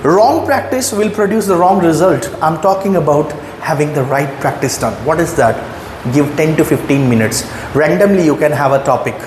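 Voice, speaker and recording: A man's voice: on the high side, lively intonation, moderate pace, a little mellow, a little hiss or hum. A man with an Indian accent giving an emphatic motivational English lesson, often checking whether the listener follows. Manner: emphatic, asks the listener rhetorical questions. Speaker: English teacher. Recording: echoey room with long reverb, faint ambience.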